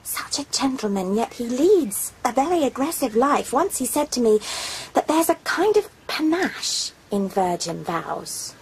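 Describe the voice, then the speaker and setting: An actress playing a lively, curious, tale-telling nun in a radio drama, animated and expressive. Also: female voice, on the high side, unhurried, few pauses, slightly rough, full character voice, rough recording. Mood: earnest, curious.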